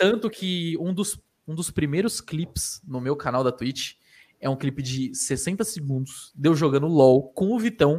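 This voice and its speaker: Here a man with an unremarkable speaking voice talks at a fairly high pitch and a fairly slow pace. His intonation is lively. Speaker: streamer. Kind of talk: casual chat.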